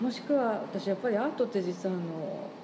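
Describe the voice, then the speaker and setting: A woman speaks at medium pitch and a moderate pace with lively intonation. The room echo is audible and background noise is noticeable. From Japan, Niigata. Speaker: art space and cafe co-owner. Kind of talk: interview conversation.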